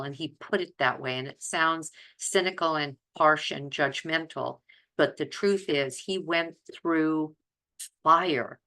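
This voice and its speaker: A woman's voice: sits low, pushed and bright. A woman speaking informally and earnestly as a health vlogger, giving emphatic commentary. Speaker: health vlogger advocating plant-based eating. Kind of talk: informal commentary on listed quotes.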